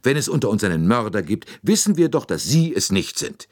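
A man's voice: lowish voice, sing-song, fairly quick, darkish tone, no room sound, studio quality, voice pushed up. A man voicing a fussing motherly older American lady. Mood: soothing. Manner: soothing, chattering.

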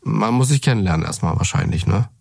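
Gravelly-voiced male interviewer. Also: on the low side, animated, fast talker, a little mellow, dry recording, studio quality. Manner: curious, probing follow-up questions. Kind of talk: interview questions.

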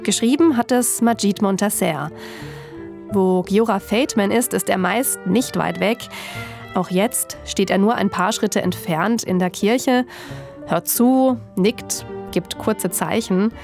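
A woman journalist narrates a documentary in a calm, measured storytelling voice of middle pitch. Soft music plays faintly behind her. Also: gravelly.

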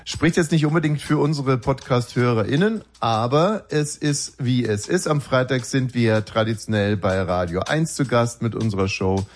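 A man's voice: mid-range voice, normal speed, hardly any pauses. A man co-hosting a podcast and radio show, bantering casually in a rambling, ironic way with many filler sounds. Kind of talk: casual banter between co-hosts.

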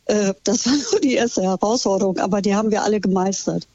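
A woman's voice: mid-range voice, fast talker, mellow, no echo. A woman tour guide calling in to a radio show, cheerful and hesitant, with many ums and ahs. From Germany. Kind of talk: casual chat over the phone. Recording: dull, muffled phone line.

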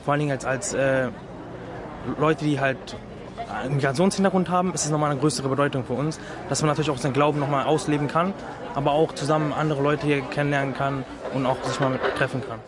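A young man in his twenties talks fast and a little high, filling gaps with ums. A loud crowd chatters around him outdoors. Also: steady tone. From Germany. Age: 20s. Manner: quick, filler-heavy talk. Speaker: interviewee. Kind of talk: casual interview.

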